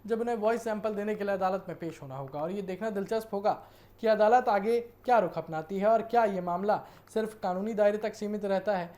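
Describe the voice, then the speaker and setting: A woman's voice: mid-range voice, brisk, mellow. A woman with an Indian accent presenting a news report as a narrated piece.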